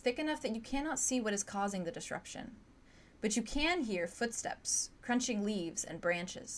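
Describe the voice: The intonation rises and falls with liveliness. The delivery is plain reading aloud.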